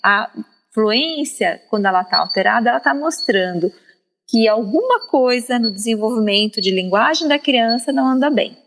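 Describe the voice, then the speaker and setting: A woman's voice: a little high, lively intonation, normal speed, a bit bright. A Brazilian woman speaking as a guest speech therapist on a podcast, explaining in a didactic, emphatic way with frequent tag questions. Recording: long reverb, faint background noise.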